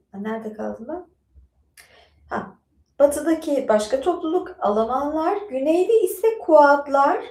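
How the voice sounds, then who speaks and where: A woman's voice: sits high, a little mellow. Chatty woman with an echoey studio sound. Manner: chatty, digressive, many fillers. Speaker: streamer reading and chatting. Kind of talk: casual live-stream chat and reading aloud. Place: home studio with bookshelves.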